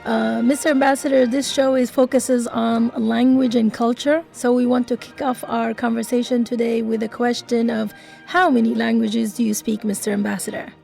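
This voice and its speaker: A woman hosting a radio interview, asking polite, measured questions. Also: on the high side, little pitch movement, creaky, a little mellow, soft background music. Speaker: radio host.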